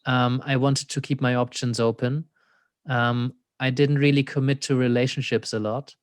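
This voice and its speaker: This German-accented existential coach is a guest in a reflective conversational interview, where he talks thoughtfully, laughs a lot and keeps saying "you know." He speaks at normal speed with a medium-pitched, level, clean voice, and the studio recording is clean and echo-free.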